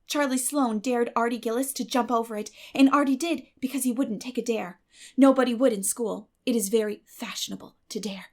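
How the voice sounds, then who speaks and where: A woman voicing a dreamy, dramatic young schoolgirl in an audiobook, effusive and earnest. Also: high voice.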